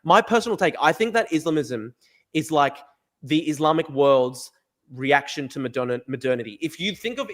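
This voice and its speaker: An Australian man hosting a live-stream podcast, talking rapidly and emphatically with lots of fillers and restarts. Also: mid-range voice, a bit bright. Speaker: podcast host. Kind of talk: live stream chat, reading viewer comments.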